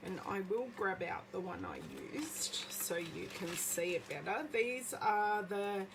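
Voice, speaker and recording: An Australian woman with a slight croak in her voice, chatting casually with viewers during a live craft demonstration at home. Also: medium pitch, noisy background. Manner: chatty, greets viewers by name. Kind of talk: casual live-stream craft demo chat. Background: movie playing in background.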